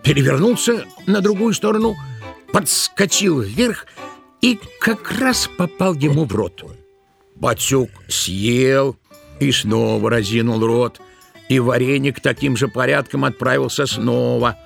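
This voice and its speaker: A man narrating a literary tale in an expressive, theatrical storytelling style. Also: mid-range voice, a little slow, vocal fry. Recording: music behind the narration.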